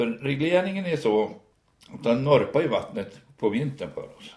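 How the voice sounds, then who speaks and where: A man with a fairly high pitch and a somewhat breathy voice speaks at a moderate pace, his intonation lively. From Gothenburg and Karlstad, western Sweden. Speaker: local businessman. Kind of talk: interview. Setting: at home, study.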